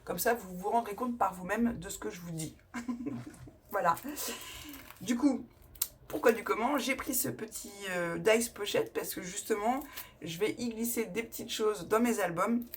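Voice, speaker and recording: Speaking at a normal speed in a mid-range voice, this woman rambles happily through a haul vlog of her crafting buys. She's a scrapbooking vlogger who holds items up to the camera with enthusiasm, laughing often and frequently correcting herself.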